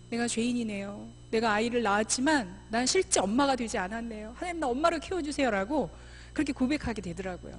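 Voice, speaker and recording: A middle-aged woman missionary giving a church seminar talk, lively, often acting out mothers and children in quoted voices. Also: fairly high pitch, slight background noise. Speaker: missionary speaker. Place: church sanctuary.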